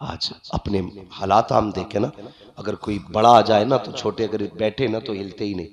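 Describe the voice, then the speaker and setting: A man preaching a sermon, telling a story, moving from hushed narration to shouted passages. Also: lowish voice, moderate pace. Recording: roomy gathering with crowd. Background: congregation responding.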